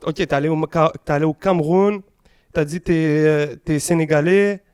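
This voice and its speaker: A man interviewing a young rapper, asking easygoing, halting questions. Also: a little high, steady tone, darkish tone, clean tone, no room sound, studio quality. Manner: easygoing, hesitant questions with fillers.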